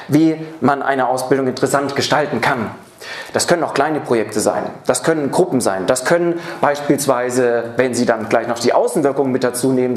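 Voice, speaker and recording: A man's voice: medium pitch, a little mellow. Man lecturing in a roomy hall. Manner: addresses the audience directly with rhetorical questions. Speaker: speaker on apprenticeship training. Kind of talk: seminar talk to a live audience. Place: seminar or lecture room.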